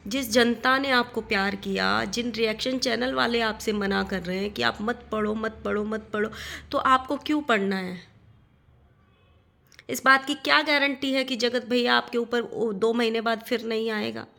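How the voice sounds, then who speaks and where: Indignant and forceful, a middle-aged woman vlogger fires rhetorical questions at another creator, hammering phrases through repetition. She speaks in a fairly high, bright voice with vocal fry.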